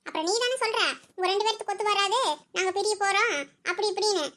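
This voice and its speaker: Brief: a performer playing a nosy, preachy village woman for a cartoon, quick delivery. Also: very high-pitched, fairly even intonation, sharp tone. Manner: prying, lecturing. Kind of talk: cartoon voice acting.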